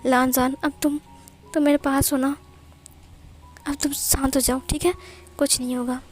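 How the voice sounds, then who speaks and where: A woman's voice: high-pitched, flat delivery, moderate pace. A woman narrating a fan fiction story, reading all the dialogue in her own voice with little acting. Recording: faint background music.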